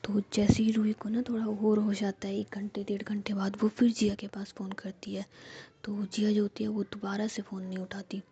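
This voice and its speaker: A woman narrating a story in a soft whisper, colloquial and rambling. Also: mid-range voice, monotone, normal speed, husky, highs cut off.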